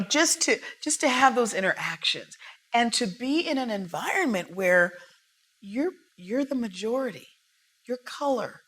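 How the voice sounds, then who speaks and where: A woman's voice: medium pitch, a bit bright. A woman, a guest in a casual interview, telling stories emphatically and with animation. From United States.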